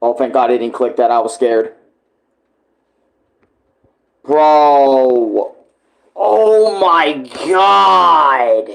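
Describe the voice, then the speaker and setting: A man's voice: medium pitch, expressive, drawn-out words, vocal fry, long pauses, a bit bright. A man giving casual live reaction commentary, slangy, exclamatory and full of swearing. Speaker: reaction streamer.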